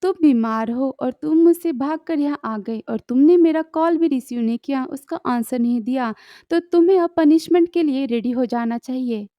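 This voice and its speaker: A woman's voice: sits high, moderate pace, warm tone, no room sound, studio quality, natural voice. A woman voicing a young man who is both anxious and playfully insistent, read out in a drama recap. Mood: teasing.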